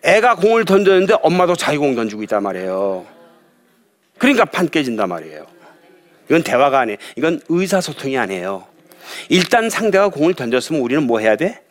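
A male pastor preaching a sermon in a lively storytelling way, often asking his listeners questions. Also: a little high, fast. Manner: lively storytelling, acts out voices, asks the audience questions.

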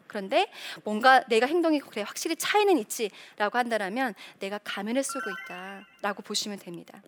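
Woman, middle-aged, faith-based talk, lively, rhetorical questions, slightly high voice. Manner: animated, acts out quoted voices. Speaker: Christian speaker, former reporter.

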